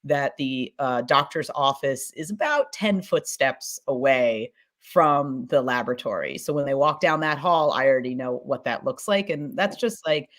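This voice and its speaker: A woman's voice: very deep voice, lively intonation, moderate pace. A woman speaking informally and emphatically as a fiction podcast creator in a casual panel discussion, with an enthusiastic manner.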